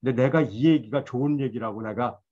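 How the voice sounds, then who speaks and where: A man's voice: mid-range voice, fairly quick, dark tone, highs cut off. A man giving a Bible lecture in a conversational, storytelling way, admitting his own past mistakes. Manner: conversational, self-deprecating storytelling.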